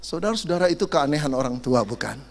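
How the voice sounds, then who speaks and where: Middle-aged male pastor, comic storytelling sermon, high lively delivery in a reverberant hall. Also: fast. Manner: animated, jokey, acts out dialogue and sound effects. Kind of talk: lively sermon with acted-out stories. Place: large hall at a youth camp.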